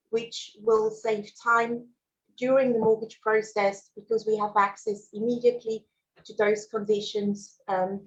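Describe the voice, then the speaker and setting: A woman's voice: medium pitch, lo-fi sound. A Swiss woman whose first language is German, presenting a mortgage webinar in a friendly way with fillers and small laughs. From Switzerland. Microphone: video call.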